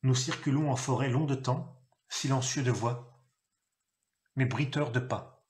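A man reading a novel aloud, telling it expressively and acting out a gruff father's shouted lines. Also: medium pitch, measured pace. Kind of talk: literary reading.

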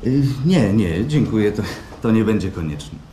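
An actor in a radio play playing a weary, reflective client, polite and quietly bitter, speaking in a measured way. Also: male voice, lowish voice, lively intonation, natural voice. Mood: reserved politeness. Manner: measured, reserved, thoughtful. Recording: faint background noise, live stage.

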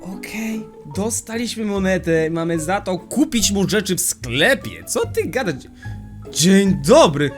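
An excitable young man narrating a game, slangy and quick to laugh, his voice leaping high and dropping low. Game music plays clearly behind him. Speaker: gaming youtuber. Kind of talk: Minecraft let's play commentary.

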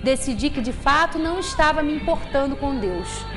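A woman's voice: sits high, lively intonation, moderate pace, over music. A woman reading as a dying young man. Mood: earnest. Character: young man, terminally ill, calm and frank.

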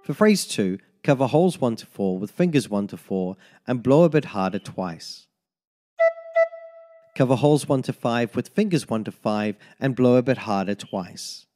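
A man narrating a tin whistle lesson as a voice-over, giving slow, methodical step-by-step fingering instructions. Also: mid-range voice, lively intonation, dark tone, faint music behind. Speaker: music teacher.

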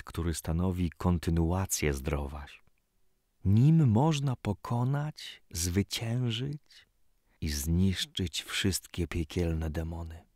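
A man reading a scripted story as an audiobook narrator, in a measured, dramatic storytelling manner. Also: low voice, a little mellow, no echo, studio quality.

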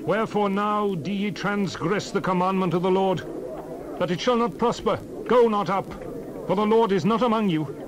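A man's voice: high-pitched, moderate pace, close to an everyday voice. A man playing a scolding, alarmed leader warning his people, urgent and declamatory, in a Bible drama. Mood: urgent reproach. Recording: crowd noise behind the voice.

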